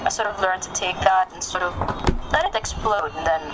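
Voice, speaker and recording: A woman being interviewed as a podcast guest, speaking conversationally in a polite, reflective, measured way. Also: fairly low pitch, background noise.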